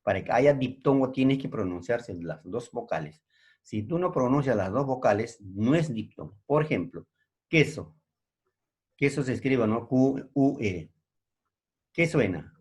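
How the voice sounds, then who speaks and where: A man's voice: medium pitch, expressive, moderate pace, a little mellow. A man teaching a secondary school language class, who repeats each point and keeps checking in with his students. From Peru. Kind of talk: recorded language lesson.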